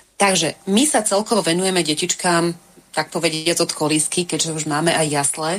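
Against noticeable background noise, a woman talks at a fairly quick pace in a fairly low pitch with fairly even intonation. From central Slovakia. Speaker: school founder. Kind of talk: online panel discussion.

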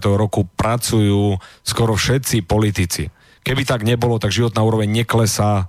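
An unremarkable speaking voice at a moderate pace, with fairly even intonation, very even loudness and a very clean recording with a silent background. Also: man, fairly low pitch for a man. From Slovakia, Ilava. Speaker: small-party coordinator, former policeman. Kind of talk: studio panel discussion. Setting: studio.

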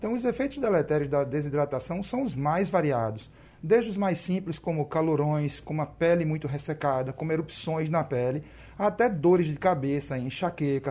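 Fairly high in pitch with a dark, mellow tone, a man speaks with lively intonation. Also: moderate pace. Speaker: physiologist and physical education professor. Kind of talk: radio interview answering health questions. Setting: radio studio.

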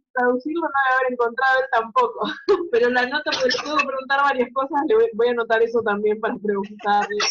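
Talking at a very fast pace, a woman has a high pitch and ordinary pitch variation. Her loudness stays very even, with noticeable background noise behind her. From Argentina. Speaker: moderator. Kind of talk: moderated Q&A. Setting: video call.

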